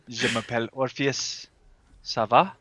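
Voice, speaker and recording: A man's voice: medium pitch, slow pace, fairly bright tone. A man voicing a courteous tree man in a tabletop game. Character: polite French-speaking tree man.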